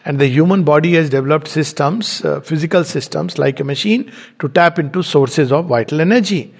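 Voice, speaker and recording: High-voiced man. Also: brisk, vocal fry. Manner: explanatory, builds points step by step. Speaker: spiritual lecturer. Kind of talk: spiritual teaching talk.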